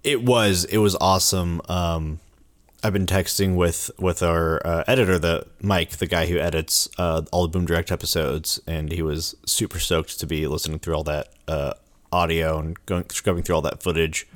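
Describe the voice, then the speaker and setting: A man co-hosting a podcast in casual chat, hoarse from bronchitis, rambling and correcting himself as he goes. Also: low voice, fairly even intonation, moderate pace. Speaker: podcast co-host.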